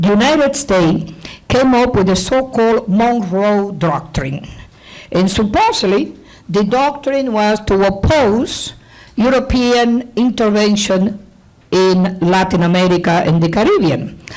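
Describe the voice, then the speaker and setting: A woman's medium-pitched voice with lively intonation and very even loudness, at a fairly slow pace, with audible room echo. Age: 70s. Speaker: union leader and activist, event moderator. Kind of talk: public speech.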